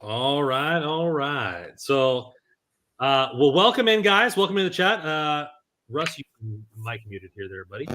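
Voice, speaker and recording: Male podcast host, higher pitch, bright tone, upbeat hype delivery. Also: unhurried. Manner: energetic, hype-building. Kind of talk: casual podcast chat.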